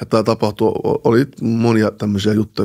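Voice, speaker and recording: A man's fairly low voice with a dark, mellow tone and vocal fry. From Finland, Oulu region. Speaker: ex-drug dealer and rapper. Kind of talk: interview, personal story. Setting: studio.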